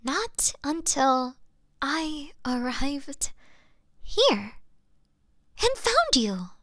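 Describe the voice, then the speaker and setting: A woman playing an obsessive, lovestruck elf kidnapper in a fantasy audio roleplay, with a coy, theatrical delivery that dips into hushed tones. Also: high voice, very animated, extremely slow, dry recording, studio quality, full character voice. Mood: smitten, tender.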